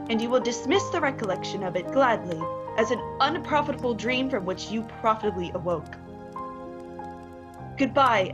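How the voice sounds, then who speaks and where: A woman's voice: fairly high pitch, lightly acted. A woman playing an earnest, heartbroken young woman in a radio play, speaking formally and sorrowfully. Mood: sad farewell. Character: Belle, heartbroken young woman releasing her fiancé. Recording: dull lo-fi audio under music.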